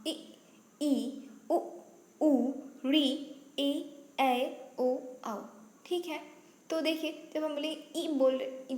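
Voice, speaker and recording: A woman's voice: high voice, darkish tone. A woman teaching a basic Hindi grammar lesson for exam preparation, explaining step by step and checking in with "ठीक है", and apologizing now and then for her own pronunciation. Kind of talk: online exam-prep lesson. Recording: echoey room with faint ambient noise.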